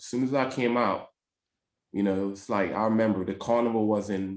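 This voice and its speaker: A man with a New York accent talks at a moderate pace and a fairly low pitch. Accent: New York American. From US Northeast, New York and Connecticut. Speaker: former prisoner. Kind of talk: interview podcast.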